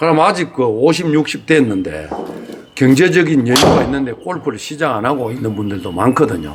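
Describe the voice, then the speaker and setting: Noticeable background noise sits behind a man speaking at a moderate pace. His medium-pitched voice swings very widely. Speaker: golf instructor, channel host. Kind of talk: interviewer questions.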